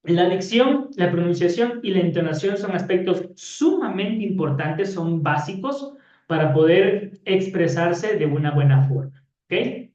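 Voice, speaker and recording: A man's voice: high voice, animated, measured pace, darkish tone. Man teaching in an echoey classroom. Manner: explanatory, frequent "¿sí?" and "¿ya?" tags. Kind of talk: classroom lecture. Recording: echoey room, distant dull mic.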